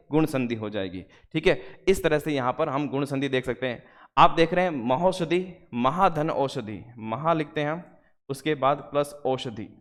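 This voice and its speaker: A man teaching an exam-prep grammar lesson, explaining step by step and slowing down to spell out the parts of each word. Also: medium pitch, big-room sound.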